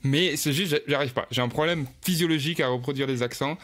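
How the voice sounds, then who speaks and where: Young French man in relaxed chat. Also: a little high, quick pace. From France. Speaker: podcast co-host. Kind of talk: casual chat.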